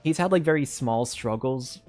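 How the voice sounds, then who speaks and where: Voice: mid-range voice, moderate pace, darkish tone. A game streamer thinking aloud in casual commentary, speaking in a hesitant, rambling way full of fillers. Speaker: streamer playing a video game. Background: video game music.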